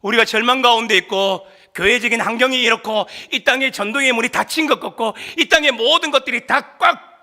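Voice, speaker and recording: High, bright-voiced male pastor preaching. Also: brisk, few pauses. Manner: animated preaching, rising to shouts for emphasis; asks the congregation questions and leads group reading. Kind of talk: sermon.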